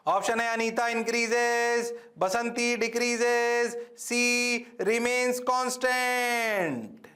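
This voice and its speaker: High-voiced, teasing male physics teacher. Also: fairly even intonation, bright, forceful tone, echoey room. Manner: playful, teasing, rapid-fire questioning. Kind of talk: classroom physics lecture. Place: classroom.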